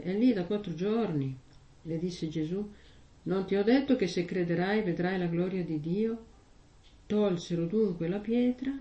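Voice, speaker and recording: Distant woman preaching in an echoey hall. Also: mid-range voice. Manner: slow, measured reading with heavy pauses; conversational preaching with rhetorical questions. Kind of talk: gospel reading and sermon. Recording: echoey, distant, dull lo-fi sound.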